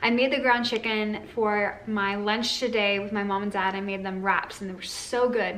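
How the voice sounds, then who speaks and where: With a moderate tempo and fairly level intonation, the woman delivers her words. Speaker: lifestyle vlogger. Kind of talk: casual vlog chat. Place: kitchen. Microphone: phone near.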